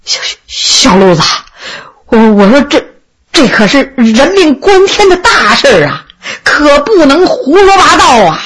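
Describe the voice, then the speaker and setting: A man's voice: very high-pitched, big pitch swings, a bit bright, heavily acted. A woman voicing an anxious, honest old male innkeeper who stammers, sighs and laments tearfully in a storytelling performance. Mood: frightened. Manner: stammering, sighing, drawn-out lamenting.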